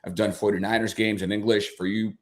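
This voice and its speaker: Bilingual man, Spanish first language, halting. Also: fairly low pitch, flat delivery. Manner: halting, many restarts and fillers. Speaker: soccer broadcaster, guest. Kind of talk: casual radio chat.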